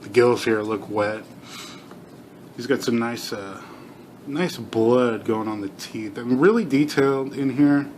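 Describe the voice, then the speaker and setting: A man's voice: medium pitch, unhurried, darkish tone, slight background noise. A middle-aged man giving a casual, unscripted toy review, slightly slurring as if half his mouth is numb from facial palsy. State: half-paralyzed face from Bell's palsy, relearning to talk.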